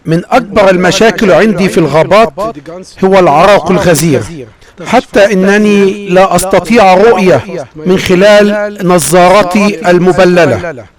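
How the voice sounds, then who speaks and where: High-pitched man narrating travels. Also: moderate pace, a crowd in the background. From Egypt. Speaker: travel documentary narrator and explorer.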